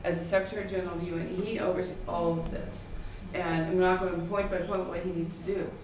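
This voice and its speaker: A woman moderator speaks quickly and firmly at a press event, her pitch in the middle of the range. She is heard from a distance. The room adds heavy reverberation and clear background noise. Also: flat delivery, darkish tone. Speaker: panel moderator. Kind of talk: press conference remarks. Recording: distant, echoey, noisy room mic.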